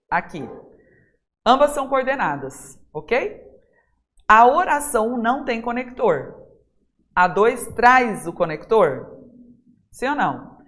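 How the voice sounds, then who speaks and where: A Brazilian woman teaching a grammar class for exam preparation, who asks the class questions, answers them herself and slows down to stress key terms. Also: lowish voice. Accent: Brazilian Portuguese. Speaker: Portuguese teacher for exam prep. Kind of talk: recorded class lecture.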